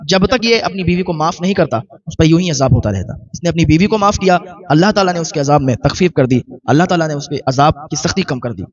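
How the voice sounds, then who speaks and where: A man's voice: a little high, lively intonation, fast, hardly any pauses, recorded from a distance, muffled recording. A man narrating a moral religious tale in an earnest, preachy manner. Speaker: religious storyteller.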